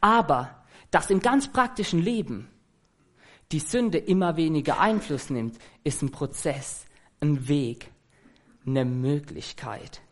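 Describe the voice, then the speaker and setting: A man's voice: fairly high pitch, lively intonation, slow pace. A man preaching an earnest, conversational sermon that he fills with rhetorical questions.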